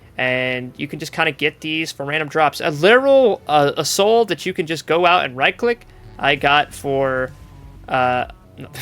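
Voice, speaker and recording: Backed by music, a man talks at a fairly high pitch with lively intonation. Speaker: gaming YouTuber. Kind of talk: tutorial. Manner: fast.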